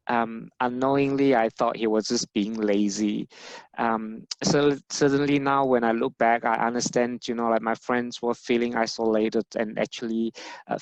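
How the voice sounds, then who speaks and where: A man whose first language is not English, telling a personal story in an educational talk and pausing often on filler sounds. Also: medium pitch, dry recording, rough recording. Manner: hesitant, many filler sounds. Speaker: public health lead presenter.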